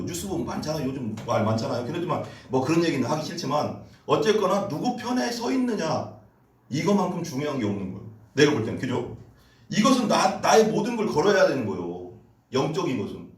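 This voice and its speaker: A man's voice: on the high side, big pitch swings, brisk. A male pastor preaching a sermon with emphatic rhetorical questions, switching between formal and casual speech. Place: church sanctuary. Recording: echoey church room, voice from a distance.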